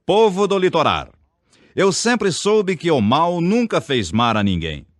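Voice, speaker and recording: A male political candidate declaims to a rally crowd, voice pushed up high and loud, as a man puts him on. He orates in sweeping, lively swings of pitch. The sound is close and dry. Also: measured pace, no echo. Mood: declaiming.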